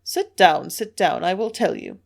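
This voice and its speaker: A woman reading the part of a frail, ancient male Martian elder, speaking in a soft, high, quavering voice that stays calm and persuasive. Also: a little slow, creaky, heavily acted. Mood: eager. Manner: soft-spoken, coolly persuasive. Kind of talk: audiobook character reading.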